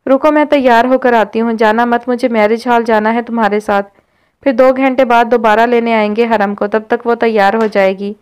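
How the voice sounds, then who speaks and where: A woman's voice: a little high, steady tone, a little mellow, smooth, lightly acted. A woman reading the lines of a cheerful young woman, sister of the bride, in an audio novel.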